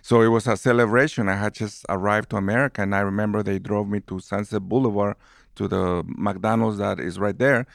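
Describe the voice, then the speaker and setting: Guatemalan-accented man, smooth and low. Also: brisk, no room sound, clean studio sound. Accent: Guatemalan Spanish. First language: Spanish. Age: 50s. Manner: warm, animated storyteller who laughs easily. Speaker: movie theater manager. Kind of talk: storytelling in an interview.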